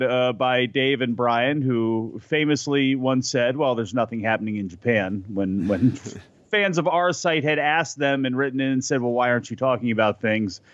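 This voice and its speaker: A man's voice: medium pitch, no echo, highs cut off. A man chatting as a podcast guest from home, telling long rambling stories that he often breaks off and restarts. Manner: rambling, self-interrupting storyteller. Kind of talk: casual podcast conversation. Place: home during a storm.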